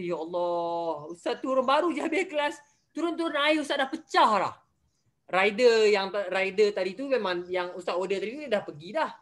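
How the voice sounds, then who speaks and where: A young man with a Malaysian Malay accent speaks in a very high, fairly bright voice. He's a religious teacher telling his pupils a story in an online class, quizzing them along the way, and the audio comes through a video call.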